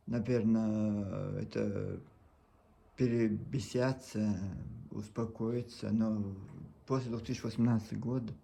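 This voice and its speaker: Gravelly, dark-voiced man with a Chechen accent. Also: fairly low pitch. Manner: earnest, pleading, halting with frequent restarts. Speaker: video blogger. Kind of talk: casual monologue to camera. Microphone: camera.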